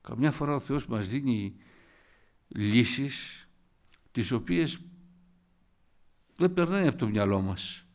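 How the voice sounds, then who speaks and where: A man's voice: medium pitch, lively intonation, long pauses. A man preaching an informal sermon, retelling scripture stories with many asides and the odd cough, addressing his listeners as brothers.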